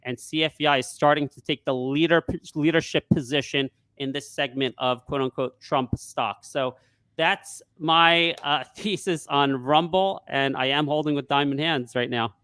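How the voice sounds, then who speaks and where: A man who works as a stock trader, talking casually in a live market discussion and pitching his view with confident emphasis. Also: fairly even intonation, moderate pace, a bit bright, smooth, no room sound.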